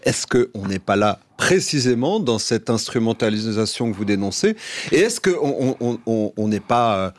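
A man's voice: fairly low pitch, lively intonation, normal speed, dry recording. A man hosting a radio debate, asking probing questions with frequent restarts. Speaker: radio show host.

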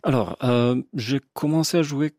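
A man's voice: mid-range voice, normal speed, a little mellow, dry recording, clean studio sound. A young Italian man with an Italian accent, a guest in a radio interview, speaking French hesitantly with many fillers and restarts. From Italy. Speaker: guest musician.

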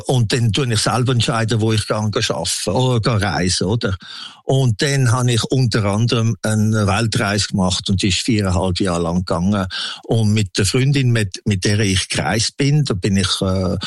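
Low-voiced Swiss German man in his seventies. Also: dry recording, clean studio sound. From Switzerland. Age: 70s. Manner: rambling storyteller who lists many places. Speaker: interviewee, Swiss emigrant. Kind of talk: casual radio interview.

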